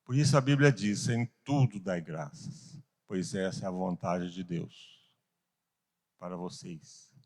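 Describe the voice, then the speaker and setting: Earnest low-voiced Brazilian man teaching. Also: darkish tone. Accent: Brazilian Portuguese. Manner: earnest, rhetorical questions, slow emphatic pauses. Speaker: Sunday school teacher. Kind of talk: Bible class teaching.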